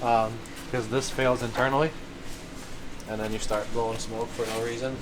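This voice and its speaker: A man's voice: medium pitch, flat delivery, moderate pace, over a noisy crowd, low-quality recording. A man working as a mechanic, talking in a matter-of-fact way while he inspects an engine in a garage. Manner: matter-of-fact, short answers. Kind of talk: casual shop talk. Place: auto repair garage. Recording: loud garage noise.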